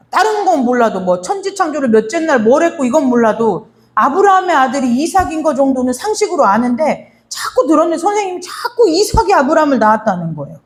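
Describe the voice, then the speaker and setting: A woman pastor delivers a storytelling sermon, speaking straight to her congregation. Her voice sits high and moves in wide, lively swings. She acts out the lines of dialogue within her story. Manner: direct address to the congregation.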